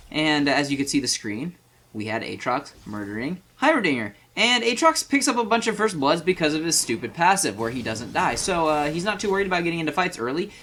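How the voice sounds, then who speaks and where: A man's voice: fairly high pitch, a little hiss or hum. Chatty man commentating a video game. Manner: chatty, full of fillers, apologetic asides; bursts into fast excited play-by-play.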